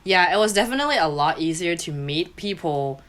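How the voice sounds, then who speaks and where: A woman's voice: on the low side, lively intonation, brisk, fairly bright tone. A young woman whose first language is Cantonese, a podcast guest chatting casually and laughing often mid-sentence. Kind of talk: casual chat.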